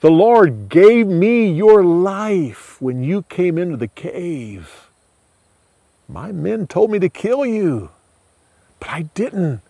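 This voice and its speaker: An earnest young hero, as a male storyteller puts him on, pleads in a raised, animated voice that climbs and falls widely. The delivery is slow and the sound is dry and close. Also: high-pitched, creaky, no room sound, pitched above the performer's own voice, full character voice. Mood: pleading.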